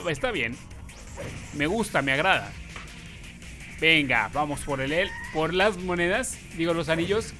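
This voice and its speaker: A man hosting gameplay commentary as a YouTuber, excitable, breaking into loud exclamations and playful yelps. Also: a little high. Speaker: YouTube gamer host.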